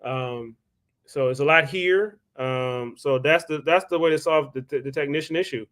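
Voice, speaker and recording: A man's voice: a little high, moderate pace, a bit bright. A man, casually hosting a live stream, talking loosely and greeting viewers by name. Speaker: host.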